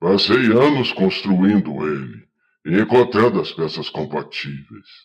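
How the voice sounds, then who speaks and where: Using a put-on character voice, a man speaks at a fairly slow pace. His pitch is very deep and low. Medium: read story. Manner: friendly, enthusiastic.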